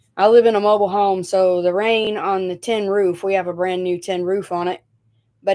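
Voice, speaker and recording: Dark and mellow in tone, a woman's medium-pitched voice holds a flat, monotone intonation. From northern Indiana, then Tennessee from age eleven. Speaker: DIY and crafts YouTuber. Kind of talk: casual livestream chat. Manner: lazy, slurred articulation.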